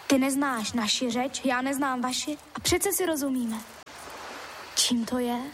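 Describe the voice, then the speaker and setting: A woman's voice: sits high, close to an everyday voice. A woman in an acted dialogue, speaking in a curious, questioning manner. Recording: distant voice with faint ambient noise.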